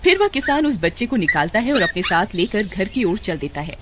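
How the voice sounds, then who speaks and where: Woman storyteller for a kids cartoon, lively voice, lots of noise behind. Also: mid-range voice, a little fast. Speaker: narrator. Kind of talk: scripted storybook narration.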